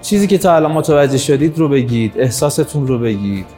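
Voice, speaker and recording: A man's voice: medium pitch, animated, warm tone, long reverb tail, soft background music. Man coaching a workshop crowd. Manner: direct, coaxing, urges the audience on. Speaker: workshop trainer. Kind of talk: live workshop teaching. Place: hall with an audience.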